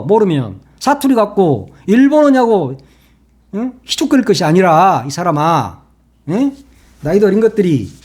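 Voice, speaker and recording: A man's voice: very high-pitched, a little mellow. An older man, a former broadcaster turned online commentator, ranting and scolding in sarcastic rhetorical questions.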